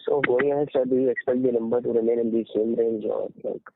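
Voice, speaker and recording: A man's voice: medium pitch, fairly even intonation, fast talker, gravelly, no room sound. A male caller asking company management questions on a conference call in a polite, direct way. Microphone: phone call. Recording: dry narrow phone line.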